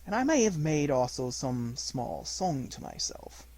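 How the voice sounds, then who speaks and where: A man voicing a proud, menacing black panther in a storybook, speaking in a measured, quietly imperious way. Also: fairly high pitch, sing-song, low-quality recording. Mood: calm, coaxing.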